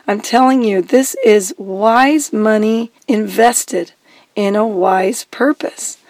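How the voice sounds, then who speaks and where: A woman's voice: mid-range voice, slow pace, a little mellow, dry recording. A woman who has lost her voice, hosting a solo advice podcast as a divorce coach, chatty and direct and laughing between her points.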